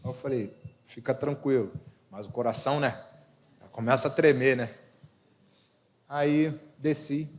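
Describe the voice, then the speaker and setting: Animated Carioca pastor in a reverberant church. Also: male voice, mid-range voice, unhurried, long pauses. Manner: animated, rhetorical questions, humorous asides. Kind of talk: sermon with personal storytelling.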